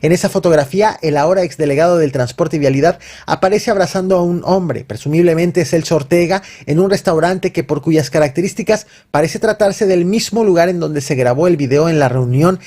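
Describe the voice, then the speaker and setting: A man's voice: fairly high pitch, brisk, hardly any pauses, dark tone. A man narrating a scripted news report.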